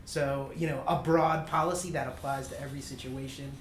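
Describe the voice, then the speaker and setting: Halting, thoughtful participant in an echoey room. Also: medium pitch, fairly even intonation. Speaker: workshop participant. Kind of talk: roundtable discussion. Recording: echoey room with faint noise.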